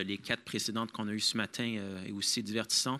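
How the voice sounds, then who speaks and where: In a Quebec accent, a man speaks at a very fast pace with a medium pitch, a bright, sharp tone and monotone, flat intonation, in a very clean recording with a silent background. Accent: Québécois. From Quebec, Montreal. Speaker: agency strategy director. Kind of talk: conference presentation. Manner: halting, many fillers.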